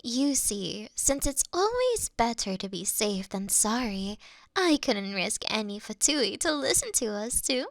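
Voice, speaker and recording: A teasing, affectionate fox-spirit priestess, played by a woman, speaks in intimate ASMR roleplay style. Her feminine voice sits a little high and moves slowly, often melting into breathy whispers. The sound is close and dry, with a coy, mischievous lilt. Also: big pitch swings, no echo, heavily acted.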